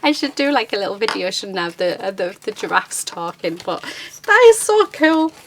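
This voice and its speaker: A woman's voice: mid-range voice, big pitch swings, moderate pace, fairly bright tone, slight background noise. A woman hosting a casual, chatty craft demonstration at a desk, with an enthusiastic, chirpy manner. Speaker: crafting channel host.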